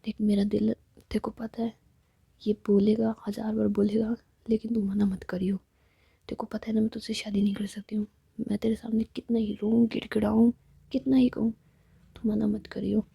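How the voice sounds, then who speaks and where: A woman voicing a heartbroken young woman who pleads softly and sounds close to tears. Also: mid-range voice, level tone, moderate pace, vocal fry, breathy edge, no echo, full character voice. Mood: pleading. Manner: pleading, tearful, soft. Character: young woman heartbroken over her lover.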